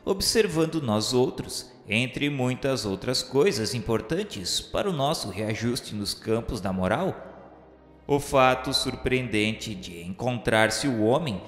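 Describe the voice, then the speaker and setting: Solemn Brazilian male narrator in deep reverb. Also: expressive, slow pace. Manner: solemn, formal literary delivery. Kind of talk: scripted audio drama narration of a spiritist novel. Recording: roomy long reverb, music underneath. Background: music.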